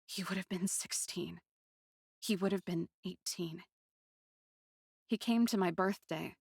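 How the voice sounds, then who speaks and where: A woman's voice: lowish voice, measured pace, vocal fry, breathy edge, no echo, exaggerated voice. Emotive young princess played by a woman, dry recording. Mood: grieving. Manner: intense, emotive. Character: grieving, passionate young captive princess narrating her story. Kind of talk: dramatic first-person storytelling, fan-fiction podcast.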